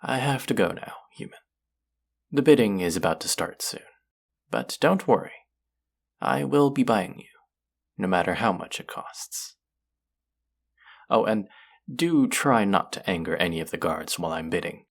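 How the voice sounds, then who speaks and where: A voice actor plays a cruel alien collector who coos over a captive as if over a treasure. The voice sits low and crackles with gravel, husky at the edges. The delivery is slow, condescending and savoring, often sinking toward a whisper in this intimate sci-fi roleplay. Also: animated, exaggerated voice. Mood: smug, possessive. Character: cruel, covetous alien collector-artist feigning kindness to a captive. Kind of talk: dramatic second-person audio roleplay monologue.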